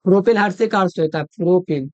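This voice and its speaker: A man's voice: very high-pitched, normal speed, fairly bright tone, clear, resonant tone, dry recording, lo-fi sound. A man giving a chemistry video lecture, repeating each point and quizzing the listener with call-and-answer questions. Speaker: chemistry teacher. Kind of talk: classroom-style video lecture.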